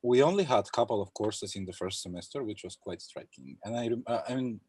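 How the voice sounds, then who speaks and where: A low-voiced young man from Bulgaria thinks aloud in a panel discussion, hesitating often and filling his pauses. His voice is dry and close, heard over a video call. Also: a little mellow, breathy edge, no echo. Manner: thoughtful, hesitant with many fillers. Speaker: panel speaker. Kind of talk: academic round-table discussion.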